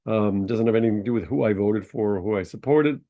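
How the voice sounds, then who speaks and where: The podcast host is a man with a fairly low, dark-toned voice who speaks quickly. A sinus infection leaves him nasal and stuffed up as he rambles casually through a story, saying um and uh often.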